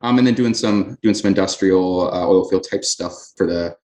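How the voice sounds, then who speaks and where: A man with a North Dakota accent speaks in a low register, with audible room echo around him. He talks casually as an interviewee, pausing and repeating himself as he forms his answers. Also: dark tone. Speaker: interview guest, business owner. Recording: roomy, echoey sound.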